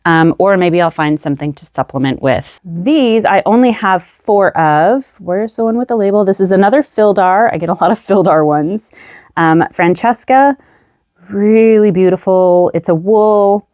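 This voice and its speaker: A woman with a medium-pitched, darkish voice talks at a moderate pace, recorded in studio quality with no room sound. She's a craft vlogger sitting at a table, casually musing aloud about her yarn in a show-and-tell chat, a little out of breath and saying "um" a lot.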